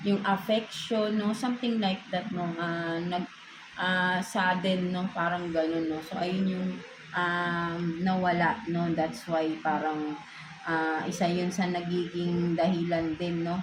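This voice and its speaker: A woman with a Filipino accent reads tarot slowly and casually in a fairly low, flat voice, recorded in an echoey room with a noisy background. She weaves English into Filipino and ends nearly every phrase with a questioning "no?".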